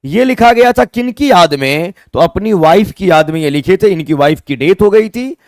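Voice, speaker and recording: A man's voice: high-pitched, lively intonation, moderate pace, no room sound, studio quality. A man with an Indian accent teaching an online exam-prep English class, mixing Hindi and English, spelling words out letter by letter and asking viewers to comment their answers. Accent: Indian, Hindi-speaking.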